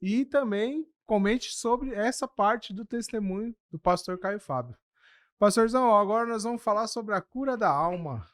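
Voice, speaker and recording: A man's voice: high voice, animated, moderate pace, a bit bright, no echo, clean studio sound. A Brazilian man hosting a faith podcast, who affirms his guest with amens and asks viewers to comment. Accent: Brazilian Portuguese. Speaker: podcast host. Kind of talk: podcast interview.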